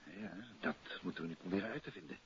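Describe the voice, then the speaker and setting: A man's voice: low voice, quick pace, a little hiss or hum, close to an everyday voice. A man acting as a suave, composed married detective in a 1950s Dutch radio drama, speaking in a polite, assured, conversational way with a Netherlands Dutch accent. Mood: confiding, pensive. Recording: dull vintage 1950s radio recording.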